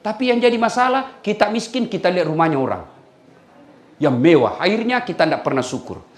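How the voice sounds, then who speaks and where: A man preaches a humorous sermon full of stories and laughter, throwing teasing asides at the women in the audience. His voice is high-pitched and a little fast, and the room sounds echoey.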